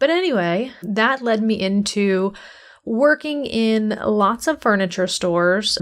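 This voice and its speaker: A woman speaks with a Pennsylvania accent. Her pace is very slow and her pitch medium. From central Pennsylvania. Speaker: podcast host. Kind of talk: casual podcast monologue. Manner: chatty, conversational.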